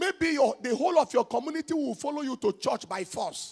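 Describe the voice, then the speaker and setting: An animated, loud voice at a fairly quick pace. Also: man. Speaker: preacher. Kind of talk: sermon. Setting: church. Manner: animated, loud, call-and-response preaching; urgent, declamatory, rhythmic repetition. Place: church. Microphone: handheld.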